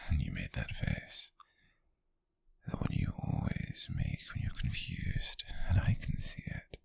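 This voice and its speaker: A British man whispers close to the microphone as a possessive, obsessive stalker in ASMR roleplay, slow and breathy with a raspy, teasing, sinister quality. The voice rumbles low and is exaggerated, leaving an unsettlingly attentive mood.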